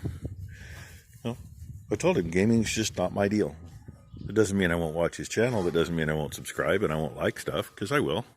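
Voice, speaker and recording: Low-voiced folksy farmer vlogger. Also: male voice, normal speed, long pauses, slight background noise. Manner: folksy, rambling, plain-spoken. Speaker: farm channel vlogger. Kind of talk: casual rambling shout-outs.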